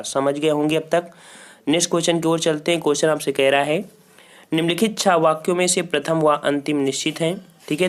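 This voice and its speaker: Exam coach, male, fairly high voice, repeats key answers, talks straight to the class. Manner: repeats answers, frequent "ठीक है" fillers, talks to students directly. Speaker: exam prep teacher. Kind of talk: Hindi grammar quiz walkthrough.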